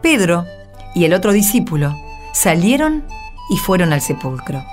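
An Argentine woman narrates from a script in a slightly low voice. Her reading is measured and solemn, with soft guitar music behind it. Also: sing-song. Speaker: narrator and Gospel reader.

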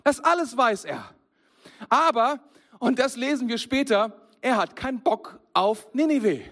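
A man delivers a sermon with a fairly high voice. He speaks in a lively, conversational way and keeps turning straight to his listeners. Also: a little slow. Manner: lively, conversational, addresses the congregation directly. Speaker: preacher.

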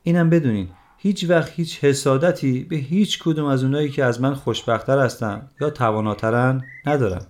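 A man's voice: mid-range voice, natural voice. A man playing a proud, earnest father with a disability, addressing people directly and emphatically in a dramatized story.

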